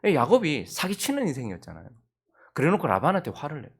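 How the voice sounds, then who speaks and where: A male pastor preaching an early-morning sermon. He swings between loud emphasis and hushed asides. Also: fairly high pitch, huge pitch swings, quick pace, husky.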